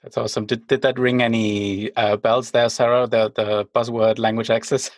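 A man hosting a live online podcast panel, friendly, with many fillers and quick asides. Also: medium pitch, level tone, dry recording, clean studio sound. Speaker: podcast host. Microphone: video call.

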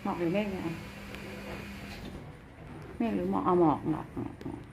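A woman's voice: fairly low pitch, fairly even intonation, moderate pace, vocal fry, a little hiss or hum. A woman in a casual home vlog, chatting to viewers and talking to her cats like a mother. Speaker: cat and rabbit keeper filming her pets.

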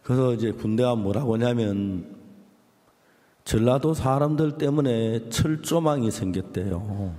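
Older pastor with a Gyeongsang accent. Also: male voice, medium pitch, measured pace, dark tone, in a large hall. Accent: Gyeongsang Korean. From Gyeongsang region, South Korea. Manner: folksy, joking storyteller. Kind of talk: sermon with scripture reading.

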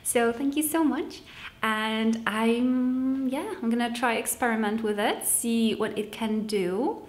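A woman's voice: on the high side, slow. A young adult woman, chatting casually and cheerfully to camera like a vlogger. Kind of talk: casual vlog chat to camera. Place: sparsely furnished room with wooden floor, indoors. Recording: roomy echo.

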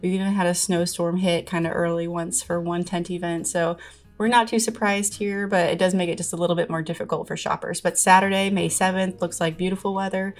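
A woman's voice: lowish voice, little pitch movement, a little fast, soft background music. A young woman who runs an antique booth, chatting casually in a voice-over with lots of ums. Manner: friendly, chatty, with frequent ums.

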